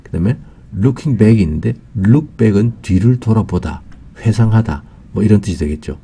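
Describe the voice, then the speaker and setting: In a recorded English grammar lesson, a man with a lowish, gravelly, dark voice and lively intonation explains slowly and carefully, over a faint hiss or hum. He draws out English example phrases in a Korean accent and pauses on "ah" fillers.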